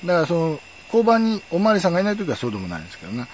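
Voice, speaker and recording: Wry middle-aged storyteller. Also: male voice, a little high, rapid-fire, highs cut off, slight background noise. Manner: wry, chatty, lively intonation. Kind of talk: casual storytelling monologue.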